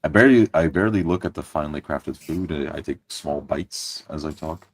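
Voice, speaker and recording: Male roleplay gamer, extremely low voice, dry sound, first-person description of character actions. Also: a little fast, no room sound. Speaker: tabletop game player.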